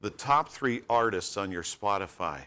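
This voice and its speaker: A man hosting a college sports radio show, talking with a bright, forceful edge in a lowish voice. He keeps things friendly and folksy and drops in joking asides. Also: expressive, moderate pace, clean tone.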